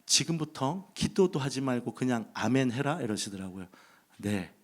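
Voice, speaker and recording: A male pastor from Busan preaches into a handheld mic in a church, with a lively voice that rises and falls a lot. He spins a funny story and acts out his own past thoughts, keeping the room engaged. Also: mid-range voice, normal speed. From Busan, South Korea. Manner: humorous storytelling with acted inner thoughts. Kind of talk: sermon. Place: church sanctuary.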